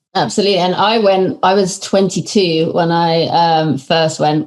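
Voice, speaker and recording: With an English accent, a woman speaks at a fairly low pitch with ordinary pitch variation. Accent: English, mistaken for Australian by Americans. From UK. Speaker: podcast host. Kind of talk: casual interview chat.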